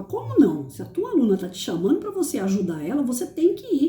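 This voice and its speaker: A stern, high-pitched, put-on character voice runs at a fairly quick pace. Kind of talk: brusque, scolding. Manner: harsh, stern.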